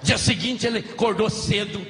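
A man preaching a sermon, telling a funny story in an animated, playful way and acting out the characters. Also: high-pitched, normal speed. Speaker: pastor. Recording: echoey hall, faint background noise.

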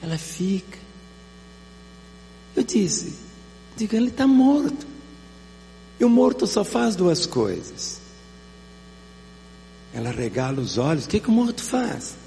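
A man with a Brazilian accent preaches a sermon in a high, gravelly voice. He presses his points by asking the same rhetorical question again and again. The sound carries a long hall reverb over a faint mains hum. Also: sing-song, takes it slowly, long pauses, dark tone. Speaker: pastor.

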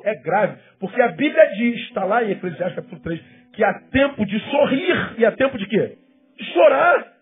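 A man preaching a sermon as pastor, climbing to emphatic questions and dropping to hushed asides. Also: high-pitched, slightly rough. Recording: tinny phone-like sound with faint music behind.

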